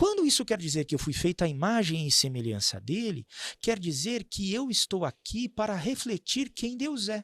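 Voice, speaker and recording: A man speaks at a moderate pace with a high pitch and very wide pitch swings. The recording is very clean and dry, close with no echo, over a silent background. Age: 40s. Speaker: professor. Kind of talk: podcast interview. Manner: halting, with many fillers.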